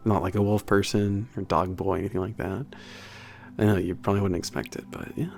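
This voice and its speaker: Male actor as big gruff werewolf trainer, fry-laden low voice, casual swearing, awkwardly sincere, ASMR roleplay. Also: steady tone, brisk, darkish tone, faint music behind. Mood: gently teasing. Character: big burly gruff werewolf spaceport maintenance trainer, soft-hearted. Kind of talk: ASMR roleplay audio drama, spoken to the listener.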